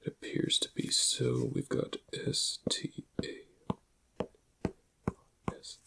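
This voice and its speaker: A man playing a shady alien dealer in black market antiquities, in a hushed, whispery ASMR roleplay with a gravelly voice and a musing manner. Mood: intrigued, appraising. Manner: hushed, unhurried, musing over goods. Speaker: ASMR performer.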